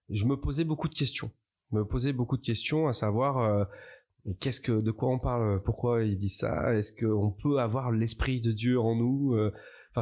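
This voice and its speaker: A man's voice: medium pitch, darkish tone. A man speaking as a podcast guest, sharing personal testimony, hesitant and often repeating himself as he searches for words. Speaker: podcast guest, church member.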